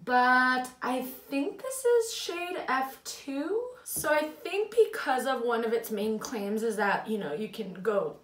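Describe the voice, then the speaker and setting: A woman in her twenties reviewing makeup in a casual, chatty way at home, her voice slightly raspy from the morning. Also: high-pitched, lively intonation, slow pace, hardly any pauses, fairly bright tone, echoey room, far from the mic. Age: 20s. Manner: chatty, filler-heavy, self-deprecating. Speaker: beauty vlogger.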